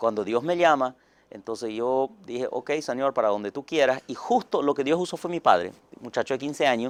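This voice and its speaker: A man with a Santa Cruz Bolivian accent speaks at a fairly quick pace in a medium pitch with ordinary pitch variation, the sound dry and close with no echo. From Egypt. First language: Arabic (speaking Spanish). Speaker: pastor. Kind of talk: testimony.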